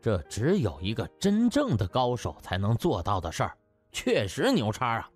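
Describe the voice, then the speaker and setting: A man's voice: medium pitch, huge pitch swings, moderate pace, soft background music. A man narrating a comic novel as a scripted, dramatic audiobook.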